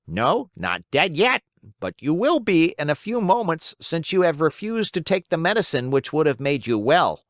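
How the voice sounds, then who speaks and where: A storyteller voicing a large, solemn black rabbit who speaks gravely. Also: medium pitch, big pitch swings, normal speed, no echo, clean studio sound, pitched above the performer's own voice, close to an everyday voice. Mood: ominous.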